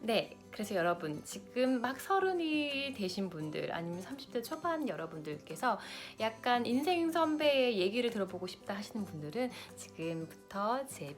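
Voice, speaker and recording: A woman in her late thirties, a lifestyle vlogger, talking to camera and giving big-sister advice straight to her viewers. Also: medium pitch. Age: 30s.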